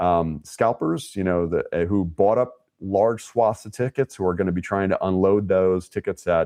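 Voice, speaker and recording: The speaker has a New York accent and a moderate pace. There are hardly any pauses. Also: man, fairly low pitch for a man, ordinary pitch variation. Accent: American (New York). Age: 50s. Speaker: soccer referee. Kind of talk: podcast interview. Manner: halting, many fillers and repeats.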